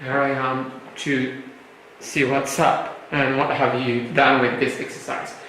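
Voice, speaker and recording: A male English teacher from Morocco, a native Arabic speaker, slowly explaining vocabulary to a class, often checking with "right?" and "hmm?". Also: mid-range voice, little pitch movement, a bit bright, a little hiss or hum. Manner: slow, repetitive explaining with tag questions. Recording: very echoey room.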